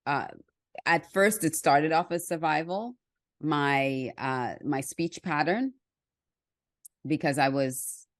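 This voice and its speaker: A woman from Trinidad hosting a podcast, speaking candidly and enunciating clearly. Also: low-pitched, slow, long pauses, no echo, studio quality. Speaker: podcast host. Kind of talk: conversational podcast interview.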